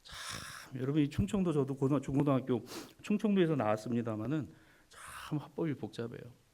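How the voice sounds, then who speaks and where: A male pastor preaching a sermon, animated and teasing, with sudden drops to a hush. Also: mid-range voice, brisk. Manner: animated preaching, swings from loud to hushed, teasing the congregation.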